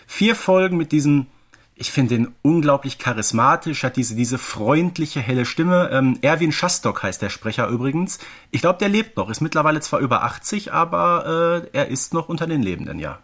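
A man's voice: a little high, fairly bright tone. A man in his forties co-hosting a podcast, giving analysis in a conversational style. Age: 40s. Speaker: podcast co-host.

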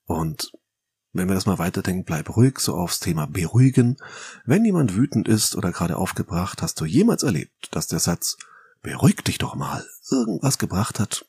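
A German-accented man talks through his podcast as a rhetoric coach, his voice husky and gravelly with a fairly low pitch. He speaks in a lively, conversational way, his pitch swinging widely as he acts out quoted bad advice. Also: a little fast. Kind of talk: solo podcast talk.

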